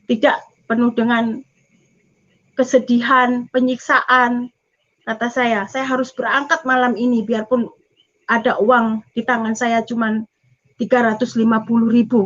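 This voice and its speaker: A woman's voice: a little high, fairly bright tone, lo-fi sound. A young woman from East Java giving an emotional church testimony, acting out the dialogue as she tells her story. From East Java, Indonesia. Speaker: testimony speaker.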